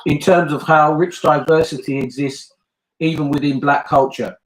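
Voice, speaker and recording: A man's voice: a little high, steady tone, normal speed, roomy sound, rough recording. An older man with a British accent, talking earnestly and emphatically in a casual family discussion, often repeating himself for emphasis. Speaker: bishop and family talk host.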